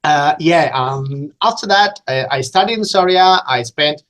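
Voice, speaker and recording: A man's voice: fairly high pitch, a little slow, a bit bright. A middle-aged man from Spain with a Spanish accent, a podcast guest talking unscripted and with enthusiasm, often restarting and repeating words. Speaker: podcast guest, localization trainer.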